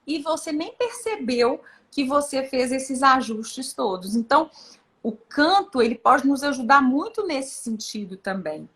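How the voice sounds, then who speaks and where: A woman's voice: high-pitched, expressive, unhurried, fairly bright tone. A woman from Brazil, a voice coach, explaining vocal work in an encouraging, casual teaching chat. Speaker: voice coach hosting a live chat.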